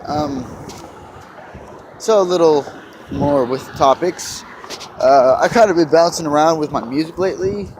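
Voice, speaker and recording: A man's voice: on the high side, a little slow, pauses often. A young man vlogging as he walks outdoors along a street, chatting casually in a rambling way with profane, sarcastic asides, filmed on a handheld phone. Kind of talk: casual vlog chat while walking. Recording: loud outdoor noise from traffic. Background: traffic and outdoor sounds.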